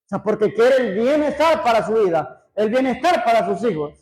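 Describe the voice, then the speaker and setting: A pastor with a strikingly high voice delivers a sermon. He reads scripture at a measured pace, then turns to the congregation with plain, conversational asides. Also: lively intonation, darkish tone, rough recording.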